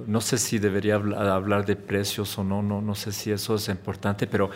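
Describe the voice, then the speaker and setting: A man's voice: on the low side, monotone, a little fast. A man from Chicago with an American accent, a native English speaker, struggling through Spanish with many fillers and English words as an interview guest. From Chicago, USA. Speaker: watch company founder, guest. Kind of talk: interview answers.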